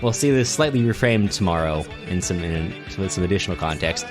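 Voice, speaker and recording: A man's voice: low-pitched, expressive, a little fast, loud music behind the voice. A man co-hosting a podcast, discussing a book in an informal, rambling, wry way. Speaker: podcast co-host. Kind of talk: casual book discussion chat.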